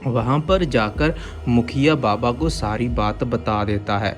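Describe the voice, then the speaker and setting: A man's voice: mid-range voice, slow, soft background music. A man giving scripted narration as the storyteller of a tale.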